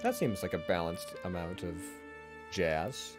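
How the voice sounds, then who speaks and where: A man reads visual novel narration as a streamer, dramatically and with casual asides. His voice is on the low side and moves widely in pitch, with music playing faintly underneath. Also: lively intonation, unhurried.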